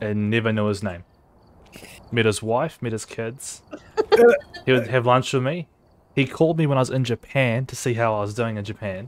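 A man with a New Zealand accent talks at a moderate pace with ordinary pitch variation and long, frequent pauses, in a dry sound with no echo. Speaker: gamer streamer. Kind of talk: casual gaming chat. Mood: relaxed, amused anecdote.

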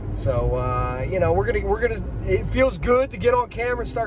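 Amid noticeable background noise, a man talks fairly quickly, the sound dry with no echo. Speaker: fishing vlogger. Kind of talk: casual vlog chat. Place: car. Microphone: phone near.

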